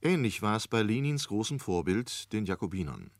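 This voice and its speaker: A man narrating a scripted radio feature in a formal, deliberate manner. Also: fairly low pitch, sing-song, no room sound, clean studio sound.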